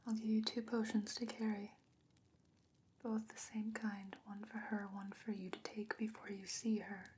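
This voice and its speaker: A woman playing a calm, knowing sorceress in a fantasy ASMR roleplay, speaking in a hushed, breathy, deliberate whisper. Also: medium pitch, a little hiss or hum, lightly acted. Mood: quietly advising.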